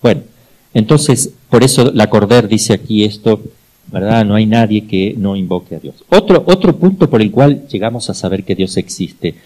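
Older priest with a mellow voice. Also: male voice, animated, moderate pace, rough recording. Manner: storytelling, acts out voices with sudden high pitch jumps. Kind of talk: sermon.

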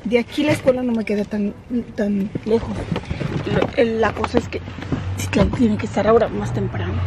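A vlogger in her thirties talks casually to the camera from the driver's seat while running errands, in a drive-through and a parking lot. Her voice is medium-pitched at a normal speed, and she's chatty, switching into English with staff and kids. The dashboard-mounted camera picks up clear road noise inside the car.

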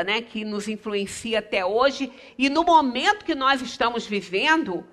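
A woman's voice: high voice, bright, forceful tone. A middle-aged woman from Brazil giving a spiritist lecture in a small meeting room, gesturing broadly and speaking conversationally. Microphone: far camera, standing speaker.

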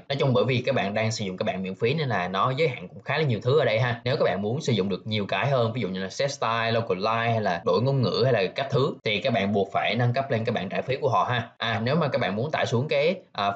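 A man's voice: fairly low pitch, dull audio. A man giving a chatty, casual tutorial, talking straight to his viewers. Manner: chatty, addresses viewers directly, ends sentences with friendly tag particles. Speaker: tech tutorial host. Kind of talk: casual screen-recorded tutorial narration.

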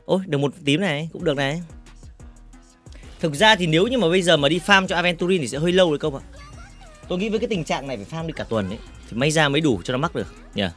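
A man with a fairly high voice hosts a casual game livestream, reading viewer comments aloud and teasing them. He jokes often and fires off repeated words in quick bursts. Faint game music plays quietly in the background. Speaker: gaming livestreamer.

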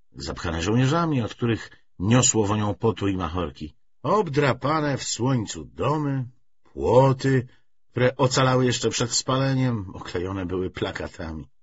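Male narrator, literary audiobook, expressive animated intonation, medium pitch, slightly lo-fi recording. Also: slight background noise.

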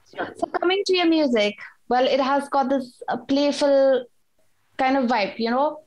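Upbeat woman radio host, high voice. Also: unhurried, a little mellow, poor audio. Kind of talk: hosting an interview.

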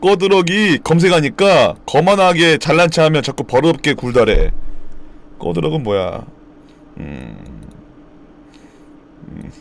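A young man streaming live, chatting casually about dialect words and loudly mimicking regional expressions. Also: on the high side, big pitch swings, a little slow, long pauses. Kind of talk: casual stream chat, reading viewer comments.

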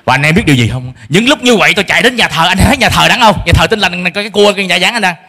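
Middle-aged pastor preaching, bright tense voice, acts out parents in shifting tones. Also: male voice, sits high, animated, rapid-fire. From Vietnam. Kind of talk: sermon.

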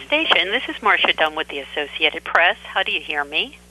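A woman's voice: deep voice, big pitch swings, brisk, bright, forceful tone, a little hiss or hum. A woman reporter putting interview questions over a remote radio and telephone link. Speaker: news agency reporter. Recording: radio and telephone line sound.

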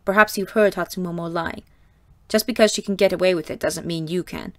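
A woman reading an audiobook, voicing a stern older woman who runs a geisha house, with a raspy, scolding voice. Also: fairly low pitch, steady tone, brisk, no echo, close to an everyday voice.

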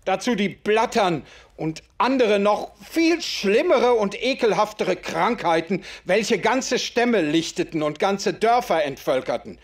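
An actor playing an impassioned writer in a radio play, speaking in declamatory, old-fashioned formal sentences. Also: male voice, sits high, lively intonation, unhurried. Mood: indignant. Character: impassioned male writer defending the oppressed. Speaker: author figure in conversation. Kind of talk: German radio play acting.

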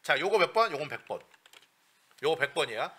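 A male vocal coach giving a lesson in a blunt, bossy, joking way with coarse slang, breaking into breathy falsetto demonstrations. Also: big pitch swings, brisk, bright, forceful tone, slight background noise.

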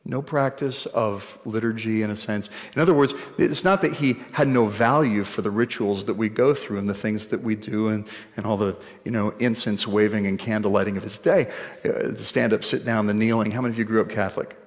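A man's voice: on the low side, brisk. A man in his forties preaching a sermon on a church stage, conversational with joking asides to the congregation. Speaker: pastor. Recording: hall reverb in a church.

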